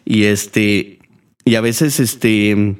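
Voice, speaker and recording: A man's voice: fairly low pitch, fairly even intonation, drawn-out words, clean tone. A man with a Mexican Spanish accent, hosting a podcast as a casual monologue. He rambles and swears a lot, with many fillers. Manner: profane, rambling, heavy use of fillers. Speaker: podcast host.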